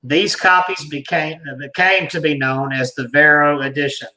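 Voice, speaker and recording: Male host, slightly high and forceful bright voice, deliberate storyteller read with pointed pauses and conversational asides. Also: fairly even intonation, poor audio. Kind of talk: reading an article aloud with asides.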